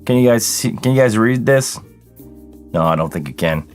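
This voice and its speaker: A man's voice: medium pitch, lively intonation, moderate pace, soft background music. A tired man, hosting a casual livestream Q&A and chatting with viewers by name. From Quebec, Canada. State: tired, voice deeper than usual this morning. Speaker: live sound engineer hosting a livestream.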